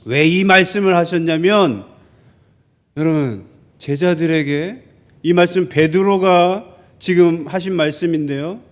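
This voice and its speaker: A male pastor preaching in a church, with a high voice. He tells stories, slows down to stress key phrases and puts questions to the congregation. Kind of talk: sermon.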